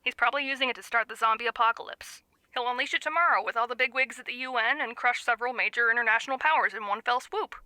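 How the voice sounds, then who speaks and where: A woman playing an excitable, sarcastic teenage gamer friend in an audio drama, brash, playful and slangy. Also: fairly high pitch, quick pace, dry recording. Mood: excited, teasing.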